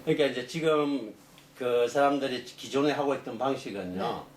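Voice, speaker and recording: A man's voice: mid-range voice, normal speed, reverberant. A middle-aged man, an engineering professor, answering interview questions in long explanations full of fillers and restarts.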